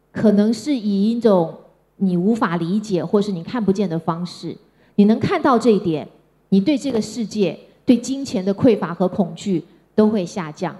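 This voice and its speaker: A middle-aged woman from Taiwan speaks, telling personal stories from a stage. Her delivery is gentle and conversational, and she softens her sentences with particles at their ends. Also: mid-range voice. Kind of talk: personal storytelling talk. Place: stage before an audience.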